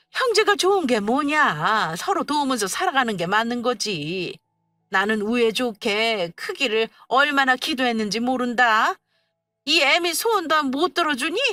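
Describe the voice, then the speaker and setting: Story reading: woman voicing a scolding older mother-in-law, shrill, guilt-tripping, faint music behind. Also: lively intonation, unhurried, pushed and bright, no room sound, heavily acted. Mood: indignant. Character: pushy, indignant older mother-in-law favoring her eldest son.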